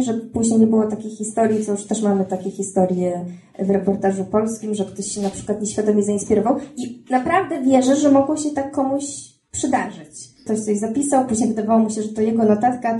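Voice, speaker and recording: A woman's voice: medium pitch, fairly even intonation, a little fast, mellow, reverberant. A woman, a book editor, talking in a podcast conversation, thoughtful and hesitant, with many fillers and restarts.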